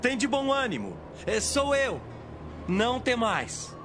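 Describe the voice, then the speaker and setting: A man playing a calm, commanding holy teacher in a dramatized audio Bible, measured and solemn. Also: extremely high pitch, slight background noise, heavily acted. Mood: reassuring. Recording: music behind.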